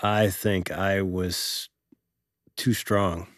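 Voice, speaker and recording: A man's voice: sits low, level tone, drawn-out words, dry recording, studio quality. A middle-aged man co-hosting a conversation, talking earnestly and reflectively. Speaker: podcast co-host. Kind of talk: casual conversation about faith and marriage.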